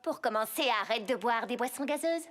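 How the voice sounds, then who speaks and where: A woman's voice: on the high side, lively intonation, a little fast, heavy background noise, close to an everyday voice. A woman playing a bossy, indignant preteen girl in a French cartoon dub, scolding and emphatic. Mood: stern.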